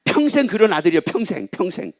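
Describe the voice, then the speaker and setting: A middle-aged man preaching a sermon as pastor, telling a story with lively asides and questions to the congregation. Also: high voice, brisk.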